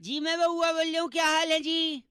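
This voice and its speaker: A man's voice: extremely high pitch, flat delivery, moderate pace, sharp tone. A man voicing a cheeky, boyish prankster radio persona who teases a caller during a prank call. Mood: teasing. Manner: teasing, repeating one demand.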